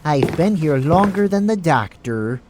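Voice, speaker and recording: A man's voice: on the high side, animated, unhurried, a little mellow. A man playing a cocky, shifty hospital worker in an audio drama, with a drawling, condescending way of talking. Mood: defensive. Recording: noisy home recording with clicks.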